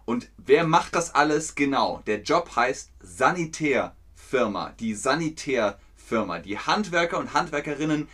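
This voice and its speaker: A man giving an online German lesson, explaining phrases in a playful, unhurried way. His bright voice swings widely in pitch. Now and then he throws in silly sound effects. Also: sing-song. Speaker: German teacher.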